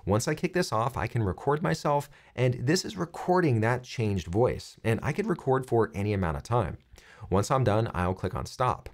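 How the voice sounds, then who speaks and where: A man in his thirties presenting a software tutorial, explaining things clearly step by step. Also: mid-range voice, animated, normal speed.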